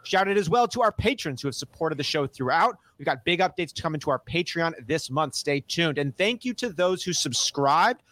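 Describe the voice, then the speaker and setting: A man hosting a podcast, talking energetically and rattling off lists at a quick clip. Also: a little high, lively intonation, a bit bright. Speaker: podcast host. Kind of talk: upbeat casual podcast talk.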